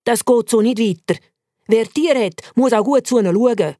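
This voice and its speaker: A woman's voice: on the high side, moderate pace, warm tone, dry recording, studio quality, pitched above the performer's own voice, natural voice. Woman doing a stern, scolding dad. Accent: Swiss German.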